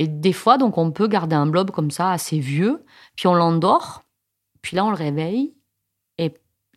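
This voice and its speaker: A woman with an unremarkable speaking voice talks at a moderate pace in a fairly low pitch with ordinary pitch variation, on a very clean recording with a silent background. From Aveyron, southern France. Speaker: scientist. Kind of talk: interview.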